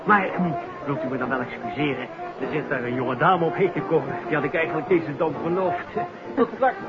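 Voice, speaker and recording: An actor playing a chatty, smooth-mannered man-about-town in a 1950s radio drama. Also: fairly high pitch, a little fast, over loud music, natural voice. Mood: apologetic. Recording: dull, noisy old radio recording.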